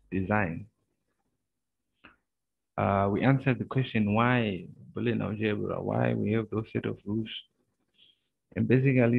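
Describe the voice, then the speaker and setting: A university lecturer gives an online lecture over a shared screen, heard through narrow, phone-like video-call audio captured by screen recording. His voice is male, on the low side, slightly rough with vocal fry, and he speaks slowly and haltingly with many pauses and filler sounds.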